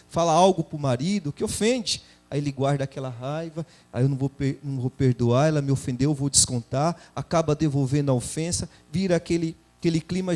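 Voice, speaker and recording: A man co-hosts a religious TV talk show, his voice pitched somewhat high. He speaks earnestly and in an exhorting tone, drawing on examples from everyday family life. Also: a little mellow. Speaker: co-host of a Christian TV program.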